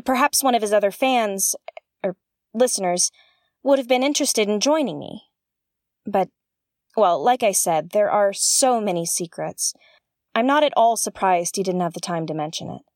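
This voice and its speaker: Seeking an actress as an earnest female space sleuth for audio drama: mid-pitched, articulate, musing, with theatrical pauses. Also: expressive, no echo, studio quality, lightly acted. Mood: wistful, confiding. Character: Nym, earnest woman investigator hosting her own space mystery show. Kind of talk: audio drama narration, like a spoken field log.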